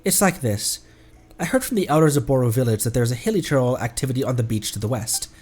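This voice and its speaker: A woman's voice: very deep voice, expressive, fast talker, warm tone, breathy edge, full character voice. Gloomy, anxious young village woman. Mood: worried. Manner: hesitant, apologetic.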